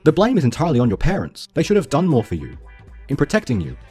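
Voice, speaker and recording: Give me a husky, animated young man ranting. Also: mid-range voice, fast, soft background music. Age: 20s. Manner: heated, profane, insulting. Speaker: YouTuber responding to a critic. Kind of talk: scripted rant.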